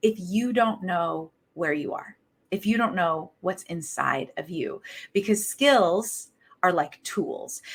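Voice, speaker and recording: Speaking very slowly, a woman uses a somewhat breathy, medium-pitched voice with lively intonation on a very clean recording with a silent background. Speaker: leadership coach and keynote speaker. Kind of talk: solo workshop webcast. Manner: animated, laughs a lot.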